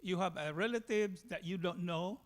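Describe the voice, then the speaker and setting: High-voiced Filipino man giving testimony. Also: normal speed. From Philippines. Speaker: church member giving testimony. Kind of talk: personal testimony to a congregation.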